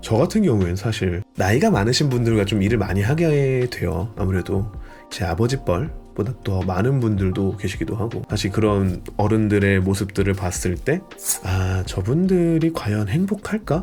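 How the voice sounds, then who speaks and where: With music in the background, a man talks at a moderate pace in a fairly low pitch with lively intonation. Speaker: VTuber radio streamer. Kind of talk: casual radio-style talk.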